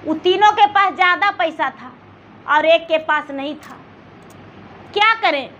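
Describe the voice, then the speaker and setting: A poor old beggar woman, as a woman storyteller puts her on, pleading in a very high, bright voice. She speaks slowly, like a humble mother figure in a folk tale, on a slightly noisy, dull recording. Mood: sorrowful. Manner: pleading, addresses listeners as son. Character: poor hungry old beggar woman, secretly a river goddess.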